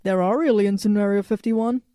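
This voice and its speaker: A self-assured female robot from the future played by a woman speaks in a mellow, relaxed voice. She is blunt and faintly condescending, matter-of-fact in audio drama dialogue, recorded dry and close. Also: mid-range voice, normal speed, dry recording, natural voice. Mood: smug, confident.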